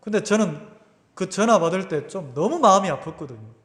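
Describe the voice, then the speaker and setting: A male pastor preaches in a high, swooping voice. He keeps asking the congregation questions. His voice rings with a long reverb through the church hall. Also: fairly quick. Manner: animated, asks the congregation questions, acts out quotes. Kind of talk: sermon. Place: church sanctuary.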